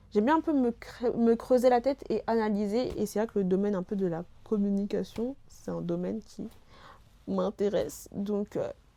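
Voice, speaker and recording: On a very clean recording with a silent background, the speaker keeps a moderate pace. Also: woman. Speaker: YouTuber, pop culture creator. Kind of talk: casual vlog chat. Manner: hesitant, many fillers.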